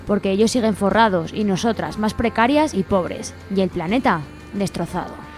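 A woman's voice: mid-range voice, normal speed. A woman with an accent from Spain reading an indignant, scripted editorial as a radio presenter. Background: music under the voice.

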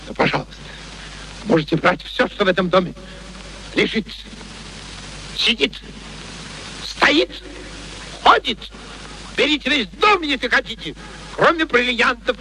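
An irascible, bullying professor from a radio play. The voice sits very high for a man and swoops in lively, sharp exclamations. He blusters theatrically and indignantly. Slight noise sits on the old recording. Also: moderate pace, pauses often, full character voice, rough recording. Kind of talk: Russian radio play acting.

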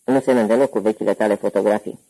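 A man voicing a hoarse, corpulent older gangster uncle who talks boisterously and at length. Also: on the low side, steady tone, mellow, low-quality recording. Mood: jovial.

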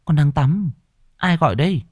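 A man's voice: on the high side, lively intonation, moderate pace, no room sound, voice pushed up. A man voicing a practical young woman who questions her frightened friend in a ghost story. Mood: concerned.

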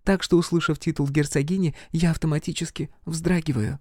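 A man's voice: fairly high pitch, steady tone, brisk, warm tone, no room sound, clean studio sound, pitched above the performer's own voice, natural voice. A male reader voicing a shy, polite young common-born girl, humble and respectful.

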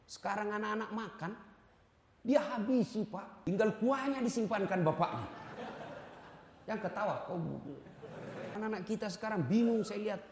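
A male preacher gives a lively, humorous sermon, teasing the audience and urging them on. His voice sits high for a man. Everything rings with the long reverb of a large hall. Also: moderate pace, long pauses, slight background noise. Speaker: ustadz, preacher.

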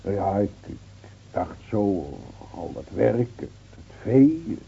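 An actor playing a gentle older village man who reminisces, hesitant and reflective, in a radio drama. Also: fairly low pitch, big pitch swings, slow, vocal fry, husky, exaggerated voice. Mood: gently nostalgic. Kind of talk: Dutch radio drama acting. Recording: dull old radio recording.

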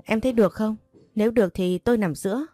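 A man's voice: sits high, fast talker, warm tone, no room sound, clean studio sound. A woman reading the part of a teasing, possessive young master of the house, in a storybook. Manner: teasing and bossy.

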